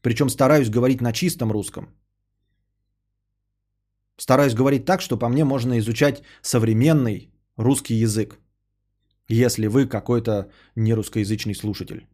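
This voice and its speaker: A man's voice: medium pitch, normal speed, long pauses, a little mellow. A man, a podcaster and streamer, ranting in a sarcastic, indignant tone and swearing freely as he answers a viewer.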